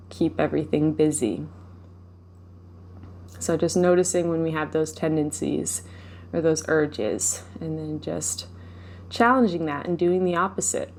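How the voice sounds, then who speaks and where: A woman leading a guided meditation, speaking gently and without hurry, giving instructions with pauses. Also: low voice, slight background noise. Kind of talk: guided meditation, live session.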